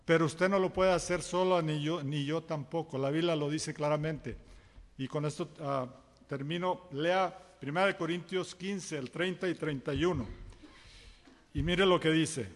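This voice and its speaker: A man's voice: on the high side, normal speed, in a large hall. A man preaching a sermon, telling a folksy parable and acting out the dialogue. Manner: folksy storytelling, acts out dialogue, chuckles. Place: church.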